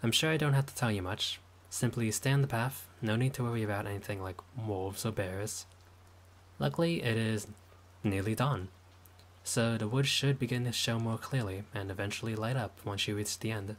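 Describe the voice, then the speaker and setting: A friendly vampire lord of a manor, as a man plays him, caring and eager to please. His voice sits a little low, polite and upbeat, now and then flustered. An audio roleplay spoken straight to the listener. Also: normal speed, a little hiss or hum, lightly acted.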